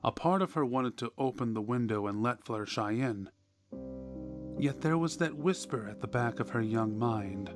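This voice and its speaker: A man reading a scripted horror story in a measured, deliberate way, with dramatic pauses. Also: medium pitch, animated. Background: background music.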